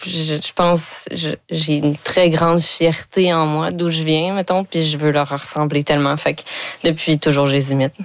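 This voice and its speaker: A woman's voice: sits low, steady tone, no room sound. A young woman with a Quebec French accent, a filmmaker guest in an interview, talking eagerly with many fillers. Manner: enthusiastic, fast, many fillers. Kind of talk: casual interview talk.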